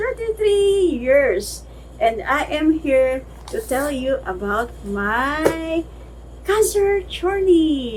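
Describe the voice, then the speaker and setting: Noticeable background noise runs under the recording. A woman speaks at a very slow pace. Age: 60s. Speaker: cancer survivor. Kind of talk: testimony.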